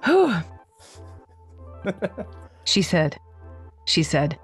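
Woman narrator cracking up in the booth, voice jumping all over, slow and drawn out, faint music under. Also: fairly low pitch, sing-song, breathy edge. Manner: giggling, breaking up mid-line. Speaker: audiobook narrator. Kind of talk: studio outtakes, reading and laughing.

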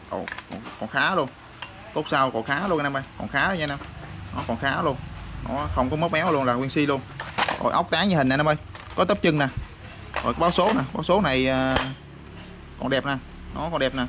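A man showing off used motorbike parts in a rapid, repetitive sales patter full of fillers. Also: on the high side. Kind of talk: casual product showcase sales patter. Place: parts shop or workshop. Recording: noisy backdrop with passing vehicles.

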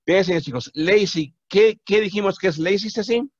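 A man's voice: high voice, normal speed, no room sound, highs cut off. A man teaching an English class to Spanish-speaking students, patiently repeating words to drill their pronunciation.

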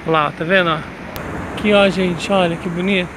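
A man with a notably high voice chats to his followers as he walks. He talks casually and keeps calling out to his viewers. It is recorded on a handheld phone outdoors, with traffic and street ambience loud behind him. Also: steady tone, quick pace. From Brazil. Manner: chatty, keeps addressing viewers as "gente". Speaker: vlogger. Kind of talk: casual walking vlog. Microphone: handheld phone camera while walking.

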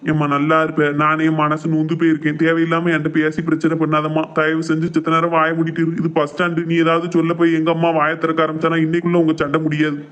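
A man's voice: fairly high pitch, completely flat delivery, fast talker, few pauses, a bit bright, close to an everyday voice. Man voicing a mild, placating young husband. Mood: pleading.

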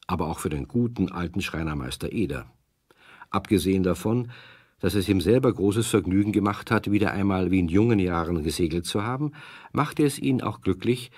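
Male narrator for children's audio stories, low voice, expressive range, dry studio sound. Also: no echo. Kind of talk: scripted storytelling narration for children.

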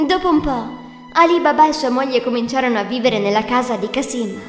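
A woman's voice: sits high, brisk. A woman reading a scripted fairy tale as the narrator. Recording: echoey hall reverb, music behind. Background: music.

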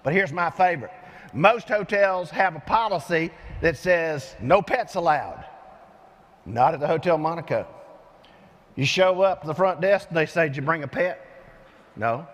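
An older man giving an energetic keynote speech on a large conference stage, telling stories with lively gestures through a headset mic. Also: a little high, moderate pace. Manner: animated storyteller with lively gestures. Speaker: keynote speaker. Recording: long hall reverb from arena.

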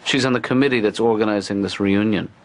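A man voicing a mild, hesitant middle-aged father in a cartoon, stammering in a gentle deadpan. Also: fairly low pitch, fast, lightly acted. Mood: dry. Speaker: father and therapist.

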